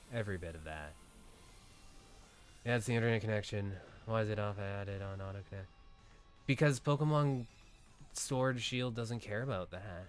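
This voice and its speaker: A man speaks at a moderate pace in a calm tone, with fairly low pitch and ordinary pitch variation. His loudness swings widely, long pauses come often, and music plays in the background. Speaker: video game streamer. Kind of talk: casual live stream chat while gaming. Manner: calm normal pace.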